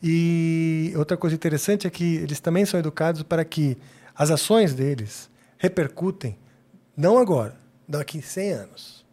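Podcast co-host, man with a somewhat high voice, reflective, talks things through out loud. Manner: thoughtful, fills pauses with "né". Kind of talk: casual chat.

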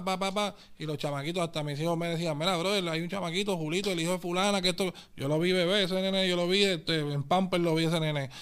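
A man with a Puerto Rican accent chats in a quick, lively stream of street slang and keeps calling his listener papi and brother. His voice sits high and comes through smooth and clear. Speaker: guest artist. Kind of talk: casual interview chat.

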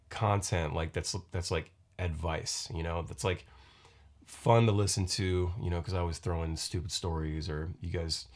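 A man in his forties hosting his own podcast, talking casually in a rambling, halting way, full of restarts and fillers. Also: low voice. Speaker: podcast host and musician. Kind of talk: casual solo podcast monologue. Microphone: podcast microphone.

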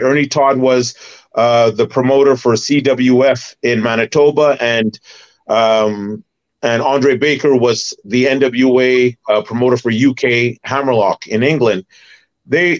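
Middle-aged man from Barbados, muffled audio. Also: mid-range voice. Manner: animated, detailed recollection. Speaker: former wrestler and promoter, podcast guest. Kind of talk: casual interview storytelling.

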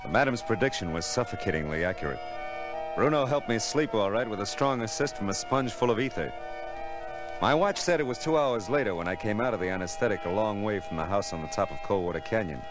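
A man's voice: on the low side, expressive, fast, music in the background, lightly acted. An American man playing a cool, wry private detective in a vintage radio drama, talking tough and sardonic in clipped phrases. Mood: grim, dry narration. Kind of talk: 1950s radio drama acting with first-person narration. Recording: noisy old radio broadcast recording.

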